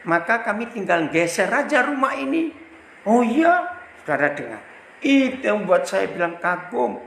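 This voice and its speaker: Indonesian pastor guy preaching, gravelly voice, echoey church hall, very animated. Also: high-pitched. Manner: animated, exclamatory, addresses the congregation directly. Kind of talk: storytelling sermon. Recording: echoey hall with faint background noise.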